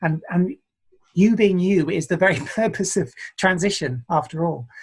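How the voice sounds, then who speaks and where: With lively intonation and a somewhat breathy quality, the speaker keeps a moderate pace. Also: woman. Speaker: facial feminisation simulation specialist. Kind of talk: podcast interview.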